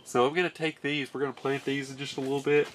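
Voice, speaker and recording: A man's voice: mid-range voice, level tone, fast talker, a bit bright, a little hiss or hum. A young man in his twenties with a stuffy, nasal voice from a cold, chatting enthusiastically as he explains gardening gear in a small greenhouse, recorded on a camera mic. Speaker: gardening channel host. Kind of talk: casual how-to vlog. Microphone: camera mic at close range.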